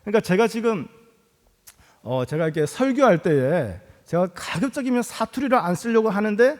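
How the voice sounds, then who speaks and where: A male pastor from Gyeongsang with a Gyeongsang accent, preaching a sermon with animated storytelling and humor. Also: high-pitched, normal speed. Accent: Gyeongsang Korean. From Gyeongsang, South Korea. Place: church sanctuary. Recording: long reverb of a large hall.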